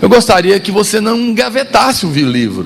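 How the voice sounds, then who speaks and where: Against noticeable background noise, a man with a high pitch talks at a moderate pace. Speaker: pastor. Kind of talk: sermon. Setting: stage with audience. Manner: soft-spoken.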